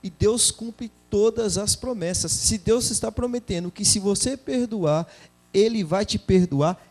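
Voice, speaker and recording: A man co-hosts a religious TV talk show, his voice pitched somewhat high. He speaks earnestly and in an exhorting tone, drawing on examples from everyday family life. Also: unhurried, darkish tone. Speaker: co-host of a Christian TV program.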